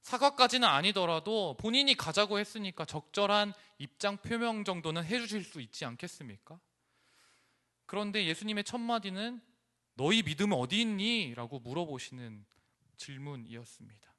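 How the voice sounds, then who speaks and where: Male pastor giving a friday night sermon, high pitched and bright, big swings loud to hushed. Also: sing-song, moderate pace. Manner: dramatic, swings from loud emphasis to hushed near-whisper. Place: church sanctuary.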